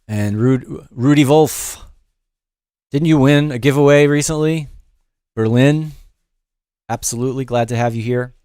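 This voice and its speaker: Middle-aged male host, relaxed and rambling, mid pitch, dry close studio sound. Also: measured pace, long pauses, clear, resonant tone, no room sound. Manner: loose, off-the-cuff, many fillers and restarts. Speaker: music production instructor and livestream host. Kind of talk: casual livestream tutorial, chatting with viewers. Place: home studio in New York.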